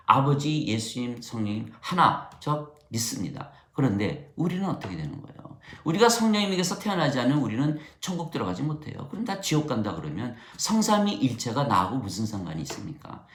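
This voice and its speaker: A middle-aged man preaches a sermon in a roomy-sounding space, his voice sitting at medium pitch. He tells stories and acts out the voices of the people in them.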